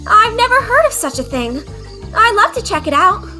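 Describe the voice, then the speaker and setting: A woman playing an excitable, eager young tourist in an audio drama, wide-eyed and enthusiastic. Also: extremely high pitch, moderate pace, soft background music, exaggerated voice. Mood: amazed. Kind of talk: audio drama character acting.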